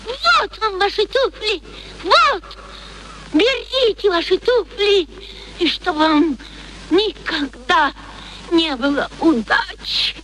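A woman's voice: very high-pitched, animated, takes it slowly, pushed and bright, a little hiss or hum, full character voice, low-quality recording. An actress playing a proud, wounded young woman with impassioned, theatrical delivery in a classic radio play. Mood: furious, bitter.

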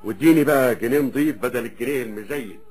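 A man's voice: mid-range voice, very fast, a little mellow, faint music behind, lightly acted. A man with an Egyptian accent playing a proud, brusque military officer in a radio drama. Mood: indignant, proud.

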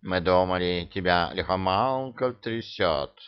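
A man's voice: low-pitched, a little slow, clear, resonant tone. A man voicing a sly, cheeky male house cat in a storybook reading. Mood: sulky. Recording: dull lo-fi recording.

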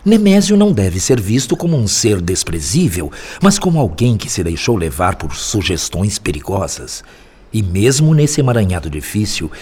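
Wise spirit mentor, low and expressive. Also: male voice. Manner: measured, sermonizing, persuasive. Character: calm, wise male spirit mentor, compassionate and patient. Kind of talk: radio drama acting.

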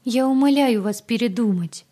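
A woman's voice: on the high side, lively intonation, measured pace, warm tone, husky, pitched above the performer's own voice. A woman voicing a nervous, tearful young pregnant woman who begs and pleads in a raised, shaky voice. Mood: begging.

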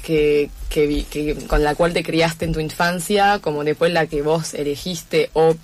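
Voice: mid-range voice, fairly even intonation, measured pace. Reflective speaker with searching tag questions. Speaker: radio show guest. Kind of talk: casual radio conversation. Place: radio studio.

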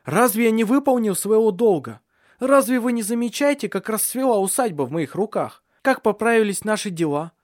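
A man reading a story aloud, voicing a clumsy, exasperated young nobleman who complains loudly. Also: high voice, animated, fairly quick, few pauses, no echo, clean studio sound, pitched above the performer's own voice.

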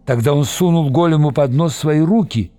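A man reading a novel aloud as scripted narration, expressive and voicing every character himself. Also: a little high, moderate pace, soft background music. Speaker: audiobook reader.

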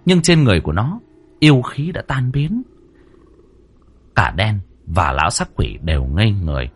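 Husky male storyteller. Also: on the low side, normal speed. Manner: dramatic, expressive storytelling. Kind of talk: scripted audiobook narration.

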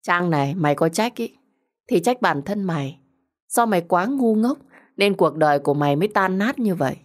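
A woman's voice: on the low side, animated, normal speed. A woman voicing a cruel, treacherous young woman in an audio story, with a mocking, condescending and sarcastic manner.

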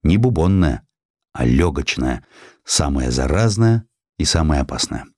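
A man narrates historical prose for an audiobook, measured and expressive in a literary storytelling style. His voice rumbles low, and the studio recording is clean with no echo.

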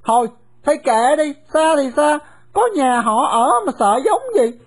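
A woman's voice: sits high, unhurried, voice pushed up. A woman voicing a cheerful, bold young orphan boy who teases his friend. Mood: cheerful, eager. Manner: teasing.

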